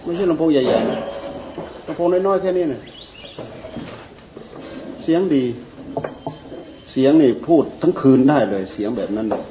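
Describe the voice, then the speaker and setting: A man speaking as a Buddhist monk in a loose, chatty dhamma talk. He wanders from point to point and repeats words as he goes, at an ordinary pitch. The recording is roomy and muffled, with faint birdsong behind him. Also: animated, measured pace, long pauses, slight background noise. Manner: rambling, conversational, repeats words. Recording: echoey, dull lo-fi with faint birds.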